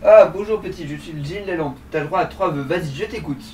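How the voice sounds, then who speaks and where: A man's voice: fairly high pitch, fast, dark tone, natural voice. A man playing a casual, blunt genie of the lamp in a comedy skit, with offhand, conversational patter. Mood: welcoming, brisk. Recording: roomy, distant, noisy home recording.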